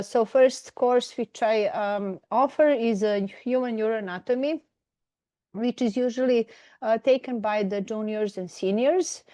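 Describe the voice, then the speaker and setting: A middle-aged Serbian-accented woman professor presents a webinar in a halting way, full of fillers and restarts. Her voice sits in the middle of the range and is recorded close and dry. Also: medium pitch, mellow, no echo.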